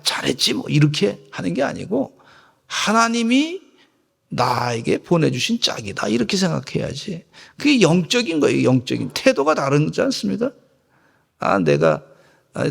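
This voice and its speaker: A man's voice: fairly high pitch, gravelly, breathy edge. A male pastor giving a sermon, joking with the congregation and having them repeat phrases after him. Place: church sanctuary. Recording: echoey church hall.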